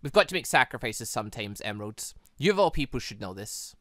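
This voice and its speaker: Visual novel villainess, read by a let's play host: measured, low-key, possessive and in command, dry close sound. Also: sing-song, a bit bright, no echo. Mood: cool, possessive. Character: coolly possessive, commanding villainess plotting her mission.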